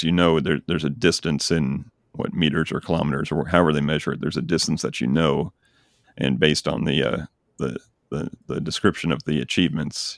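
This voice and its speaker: A man's voice: rumbling low, gravelly, no echo, clean studio sound. A man hosting a podcast, chatting casually and enthusiastically about games he recommends. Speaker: podcast host. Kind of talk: casual chat.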